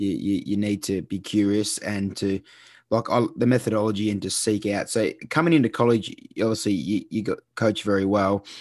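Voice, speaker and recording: In an Australian accent, a man talks at a fairly quick pace with a fairly low pitch and fairly even intonation. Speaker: podcast host. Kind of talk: interview. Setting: remote call.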